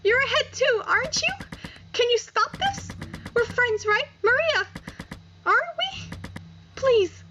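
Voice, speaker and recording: A woman's voice: extremely high pitch, lively intonation, slow pace, pauses often, pitched above the performer's own voice, full character voice. A woman voicing a frightened young woman who pleads and stammers desperately in a visual novel read-aloud. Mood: terrified, pleading.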